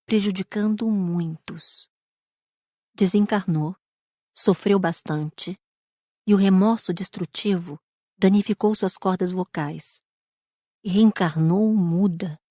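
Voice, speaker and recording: A woman with a Brazilian accent giving a measured, scripted audiobook reading of a character's account. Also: medium pitch, mellow, no echo, studio quality.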